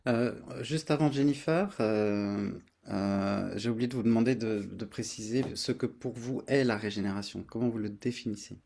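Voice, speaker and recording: A man hosting a workshop, explaining things to a group spontaneously in a halting, searching way. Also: on the low side, gravelly, darkish tone. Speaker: workshop host and facilitator. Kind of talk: spontaneous presentation to an online group.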